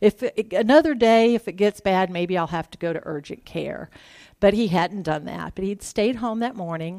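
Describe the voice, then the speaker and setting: A woman with a medium-pitched voice speaks at a moderate pace with lively intonation. The recording is very clean, with a silent background. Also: dry, close sound with no echo. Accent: Southern US. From US South. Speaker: churchgoer giving testimony. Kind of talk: testimony.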